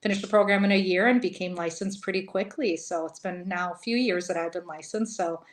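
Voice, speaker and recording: A woman with a Minnesotan accent, a funeral director and guest in a casual interview, who laughs often and fills pauses with ums. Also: on the low side. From Italy.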